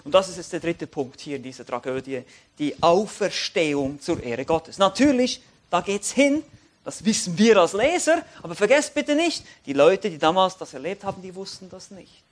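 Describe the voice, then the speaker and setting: A man preaches and reads Scripture, his voice sitting high for a man. He drops into soft, reflective passages and then rises into loud, emphatic appeals to his listeners. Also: normal speed. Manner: animated, swings between quiet reflection and raised emphatic lines. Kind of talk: sermon with Bible reading.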